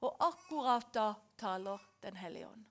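A woman giving a dramatic testimony of a vision. She drops to hushed whispers and rises to loud, pleading cries as she acts out her prayers to God. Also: mid-range voice, lively intonation. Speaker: preacher telling a vision.

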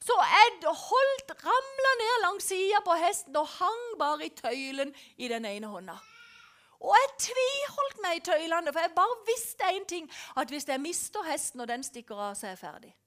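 A woman giving a dramatic testimony of a vision. She drops to hushed whispers and rises to loud, pleading cries as she acts out her prayers to God. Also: very high voice, big pitch swings. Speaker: preacher telling a vision.

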